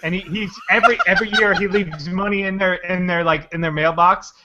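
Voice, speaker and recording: A man co-hosting a casual comedy podcast, telling stories in an animated, profane way. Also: high-pitched, fairly quick, highs cut off, very noisy. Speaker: podcast co-host.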